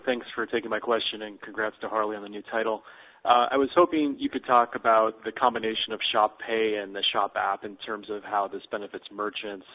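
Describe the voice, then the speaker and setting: A man with a lowish voice asks a courteous analyst question. His intonation stays flat throughout, and the sound is the narrow band of a telephone call. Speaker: financial analyst asking a question. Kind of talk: polite prepared question on an earnings call. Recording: thin telephone-line audio.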